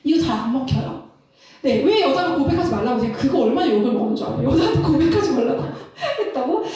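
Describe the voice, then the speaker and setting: Animated high-voiced woman in echoey room. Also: fast talker, distant mic, a crowd in the background. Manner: animated, laughs often, acts out couples' lines. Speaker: Christian counselor. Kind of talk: lecture-style talk.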